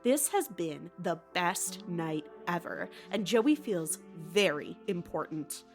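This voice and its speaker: A woman's voice: lowish voice, lively intonation, slow, soft background music. Playful woman narrating a story. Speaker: podcast host and narrator.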